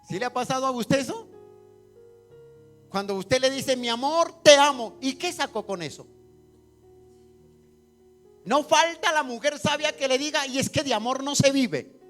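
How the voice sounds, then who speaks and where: A pastor preaches in a church, his voice high and ringing, with bright, forceful edges. He takes his time, dropping to quiet asides and then rising to emphatic, near-shouted climaxes. Soft instrumental music plays underneath. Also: expressive, measured pace, long pauses. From Colombia. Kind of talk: sermon.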